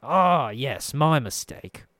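A man's voice: medium pitch, very animated, takes it slowly, fairly bright tone, no room sound, clean studio sound, pitched above the performer's own voice. A man voicing a sly, theatrical underworld boss who speaks with mock courtesy and menace. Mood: mock-courteous.

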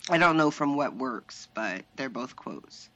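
A woman co-hosting a podcast in casual chat, animated and laughing often. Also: extremely low pitch, measured pace, lo-fi sound. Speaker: podcast co-host.

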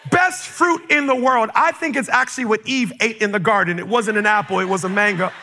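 A man raised in the Caribbean preaches in a strikingly high voice with a gravelly edge. He is fervent and forceful, breaking into shouts and quickly repeating words as he drives his points home to a church congregation. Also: rough recording. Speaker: pastor. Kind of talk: sermon. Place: church sanctuary with a live congregation.

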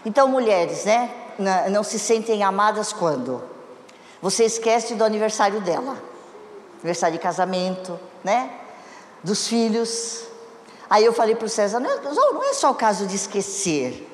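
A woman's voice: mid-range voice, moderate pace, a little hiss or hum. A woman giving a conversational sermon on marriage to a congregation, often asking them questions. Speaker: church speaker. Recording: echoey hall with long reverb.

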